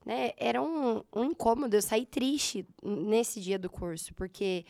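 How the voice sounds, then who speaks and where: A slightly hoarse woman in her thirties with a Brazilian accent, telling her story in a casual interview and acting out her past thoughts. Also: on the high side, expressive, measured pace, a little mellow, no room sound, studio quality. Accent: Brazilian Portuguese. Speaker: guest, entrepreneur.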